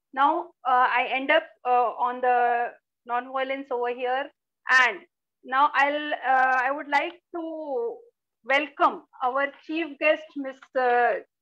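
In an Indian accent, a woman speaks at a very slow pace with a high pitch and fairly even intonation. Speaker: event host. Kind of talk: compering an online poetry event. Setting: video call.

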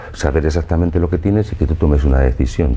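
A man with a very deep, low voice at a very fast pace. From Basque Country, Spain (Vitoria). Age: 50s. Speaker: alternative medicine therapist. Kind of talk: TV interview. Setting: TV studio. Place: studio. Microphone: lapel.

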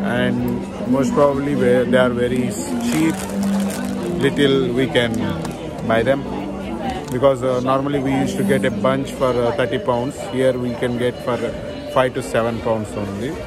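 A man at a fairly slow pace with long, frequent pauses, dry sound with no echo, and loud music in the background. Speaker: vlogger. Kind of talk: casual vlog chat. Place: market. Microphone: phone near.

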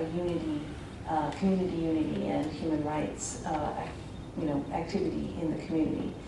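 A woman's voice with fairly even intonation, audible room echo and noticeable background noise. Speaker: human rights commission member. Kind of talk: self-introduction at a conference. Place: hall.

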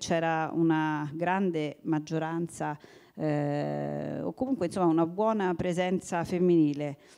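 A woman talks in a dark, mellow tone, her pitch varying in an ordinary way. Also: quiet background. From Tuscany, Italy. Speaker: award jury presenter; presenter. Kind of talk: public presentation. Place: hall. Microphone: handheld.

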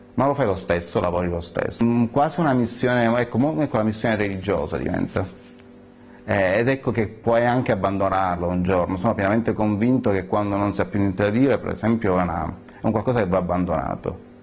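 Delivered at a very fast pace, a man's fairly low voice holds very even loudness and ordinary pitch variation over light background noise. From Sicily (Palermo); Sicily. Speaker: visual artist; interviewee. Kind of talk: interview monologue; interview answer. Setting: artist's studio. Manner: halting, frequent word repetitions. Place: workshop. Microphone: lapel.

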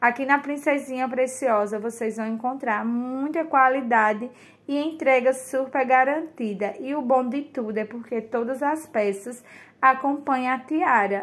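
A woman with a high, warm voice speaks at a fairly slow pace with ordinary pitch variation in a very clean recording with a silent background. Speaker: market vlogger promoting clothing wholesalers. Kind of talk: breathless wholesale sales pitch, run-on price calls for shop owners. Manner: warm, urgent hawker pushing viewers to hurry.

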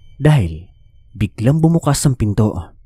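Somewhat breathy and dark, mellow in tone, a man delivers his lines dramatically at a moderate pace, the sound dry and close with no echo. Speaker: horror story narrator. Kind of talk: ghost story telling, narrated first-person horror tale with dialogue. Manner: hushed, suspenseful, dramatic pacing with tense, urgent delivery in the frightened scenes; polite, formal-toned storytelling, shifting between narration and character voices.

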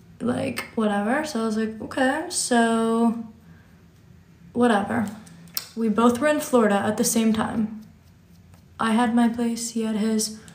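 With an American accent, a woman speaks fairly slowly in a fairly high voice, leaving long, frequent pauses. Her intonation is fairly even, and the room echo is audible. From Indiana. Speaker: lifestyle livestreamer. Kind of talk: casual livestream Q&A while doing makeup. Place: home room. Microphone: phone near.

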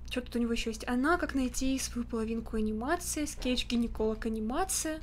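A woman's high-pitched voice at a moderate pace over light background noise. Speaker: streamer. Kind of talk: casual stream reaction chat. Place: home room.

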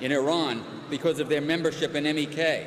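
A man's speech proceeds at a moderate pace, with noticeable background noise present. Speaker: speaker. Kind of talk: political speech. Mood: grave, indignant. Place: hall. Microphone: podium.

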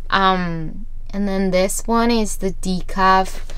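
Light background noise sits under a woman's dry sound with no echo as she speaks with ordinary pitch variation. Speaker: vlogger. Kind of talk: casual vlog chat. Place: home room. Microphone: phone near.

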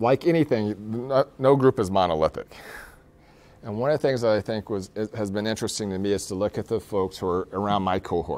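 Fairly quick speech from a man, with an unremarkable speaking voice, a fairly low pitch and ordinary pitch variation. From US, military family (Kansas, Texas, etc.). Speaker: professor; professor leading discussion. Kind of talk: workshop discussion lecture. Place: meeting room. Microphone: lapel.

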